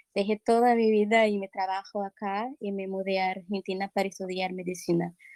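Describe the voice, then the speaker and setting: A woman with a Brazilian accent speaks in a flat monotone, the sound dry and close with no echo. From Brazil, Rio de Janeiro. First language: Portuguese (speaking Spanish). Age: 30s. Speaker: medical student. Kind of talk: interview.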